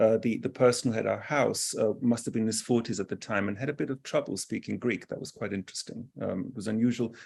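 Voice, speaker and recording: This man has a dark, mellow tone and a medium pitch. He talks at a very fast pace with fairly even intonation. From Greece. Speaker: panel guest, speaker of a minority language. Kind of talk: panel discussion. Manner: halting, many repetitions.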